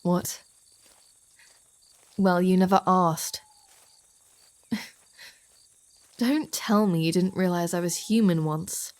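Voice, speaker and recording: Slow, teasing vampire woman, acted by a woman. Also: on the low side, steady tone, a little mellow, no room sound. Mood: wry, playful. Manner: teasing, sardonic, sweary, drawling. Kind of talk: ASMR roleplay audio drama addressed to the listener.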